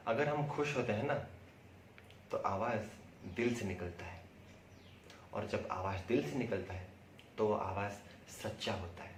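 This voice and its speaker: An Indian man giving a prepared testimonial in a deliberate, emphatic way, with pauses and repeated words. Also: on the low side. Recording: roomy echo, distant mic, faint noise.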